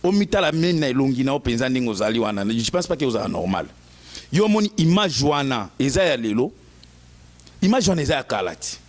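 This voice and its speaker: A man's voice: medium pitch, big pitch swings, a little fast. A Congolese man giving informal political commentary.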